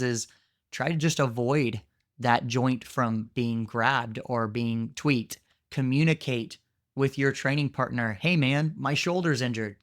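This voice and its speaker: A man's voice: medium pitch, a bit bright, dry recording, studio quality. A man in his thirties, a jiu-jitsu coach, giving frank, conversational training advice with casual fillers. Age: 30s. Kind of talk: instructional talk to camera.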